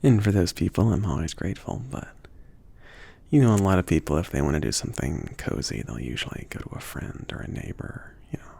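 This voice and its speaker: A man playing a laid-back, obliging mage shopkeeper in a soft, intimate ASMR roleplay, hesitant and rambling, husky and often near a whisper. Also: deep voice, big pitch swings, a little fast, heavily acted. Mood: wry, self-deprecating. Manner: hesitant, rambling, trailing off with small chuckles.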